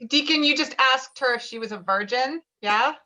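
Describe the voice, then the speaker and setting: A woman reading stage directions at an informal script table read, a bit halting, with casual asides. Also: high-pitched, sharp tone, low-quality recording.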